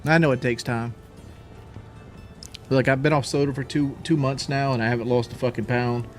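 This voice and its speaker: A man's voice: mid-range voice, fairly even intonation, normal speed, music in the background. A man chatting casually on a live stream, out of breath after a workout, rambling and repeating himself as he talks.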